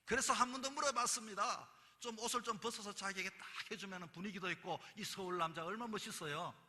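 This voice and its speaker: A male pastor preaches a sermon in emphatic bursts, his voice high, fast, pushed and bright. He's recorded in a church sanctuary, and the hall's long reverb trails after his words.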